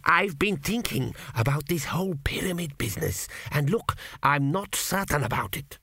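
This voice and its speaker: A man voicing an old, anxious ghost king, high and thin, pleading and slipping into whispers. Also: sing-song, a little slow, bright, forceful tone, no echo, studio quality, heavily acted. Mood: fretful. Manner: pleading, breaking into whispers and screams.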